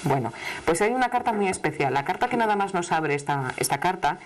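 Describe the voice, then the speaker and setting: A woman's voice: fairly low pitch, expressive, brisk. A middle-aged woman from Asturias with an Asturian accent, giving a live television tarot reading to a caller in an emphatic, familiar, chatty way. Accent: Asturian Spanish. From Asturias, Spain. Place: television studio. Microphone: studio microphone, seated at desk.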